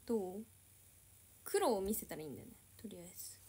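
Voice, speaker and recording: A woman's voice: medium pitch, sing-song, a little fast, warm tone, breathy edge. A young woman idol chatting casually on a livestream, reading and answering viewer comments.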